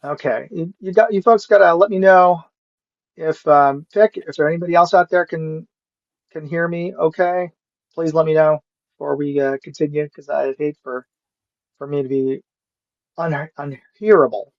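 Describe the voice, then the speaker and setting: A middle-aged American man hosting a casual live chat, speaking haltingly and often repeating himself. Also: fairly high pitch, fairly even intonation, no room sound, lo-fi sound. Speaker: live show host. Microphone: USB microphone.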